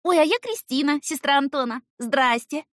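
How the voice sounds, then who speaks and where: A woman voicing a cheeky, excitable little sister in an audiobook, with a ringing, chirpy, sing-song girlish chatter. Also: high voice, normal speed, no room sound, studio quality, pitched above the performer's own voice. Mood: chirpy, excited. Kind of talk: scripted audiobook character voice.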